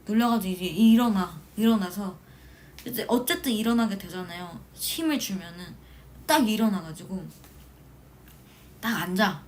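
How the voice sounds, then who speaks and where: A young woman in her twenties, an idol hosting a casual livestream from a small room at home, chatting and telling animated stories. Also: medium pitch, normal speed, long pauses, slight background noise. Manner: chatty, animated storytelling with shouted quotes. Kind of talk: casual livestream chat reading comments.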